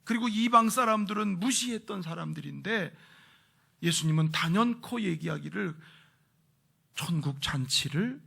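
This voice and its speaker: Gravelly-voiced Korean pastor preaching. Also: male voice, high voice, expressive, normal speed, pushed and bright. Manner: emphatic preaching, drops to a whisper for stress; leads the congregation in responsive reading. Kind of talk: sermon. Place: church sanctuary.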